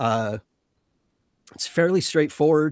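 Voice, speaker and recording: A man speaks in a fairly high pitch with ordinary pitch variation, recorded very cleanly against a silent background with a dry, close sound and no echo. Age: middle-aged. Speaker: sound editor, panel moderator. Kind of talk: panel discussion. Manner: halting.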